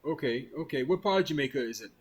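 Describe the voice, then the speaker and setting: A man's voice: mid-range voice, lively intonation, fast talker, breathy edge. A man hosting a casual online interview, chatty and friendly, often tossing in the word "man" while he asks his questions. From Bahamas. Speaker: host.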